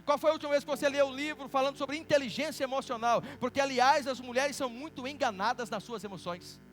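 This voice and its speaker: Brazilian pastor guy, really high voice, joking around with the church, some soft music behind. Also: fast talker. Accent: Brazilian Portuguese. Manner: animated, teasing the congregation with call-and-response. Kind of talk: sermon.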